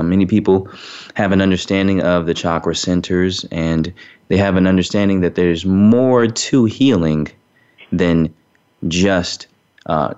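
A male show host interviewing a guest, talking haltingly with frequent fillers. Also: sits low, darkish tone. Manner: halting, frequent um and you know. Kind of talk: interview hosting. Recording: dull lo-fi recording.

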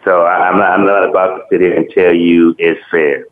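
A man's voice: deep voice, little pitch movement. Man in his fifties on a tinny line. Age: 50s. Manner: halting, repeats words, blunt opinions. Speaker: co-host. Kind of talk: casual sports radio talk.

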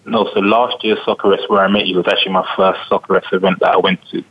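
Deep flat-voiced London man. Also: slightly rough, dull audio. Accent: London English. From England. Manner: measured, frequent "um" pauses. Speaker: guest, retired pro soccer player. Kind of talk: interview answers.

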